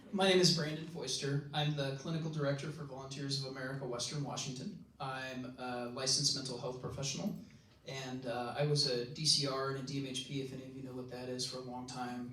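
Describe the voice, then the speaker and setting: A man clinical director introducing himself on a panel, steady and matter-of-fact. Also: mid-range voice. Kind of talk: self-introduction. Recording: echoey room, distant mic, faint noise.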